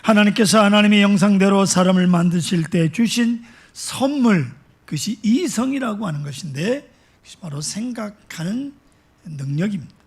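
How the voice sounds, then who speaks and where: A male pastor delivering a slow, emphatic sermon to his congregation, asking rhetorical questions. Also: high voice.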